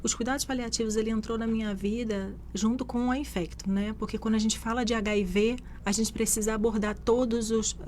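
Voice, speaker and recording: A woman from Rio de Janeiro, a physician guest giving steady, explanatory answers in a radio studio interview. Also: on the high side, fairly quick, hardly any pauses, slight background noise. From Rio de Janeiro, Brazil.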